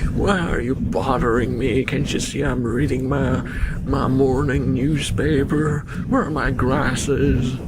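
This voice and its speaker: A man doing a put-on character voice talks fairly slowly against loud background noise. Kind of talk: ASMR live stream chat. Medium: role play. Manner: grumpy.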